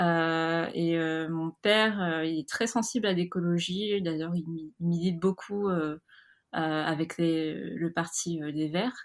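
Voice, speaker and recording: In a very clean recording with a silent background, a woman with a fairly low pitch speaks at a very slow pace with fairly even intonation. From Réunion. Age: 20s. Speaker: master's student in history. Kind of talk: interview. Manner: hesitant, many fillers.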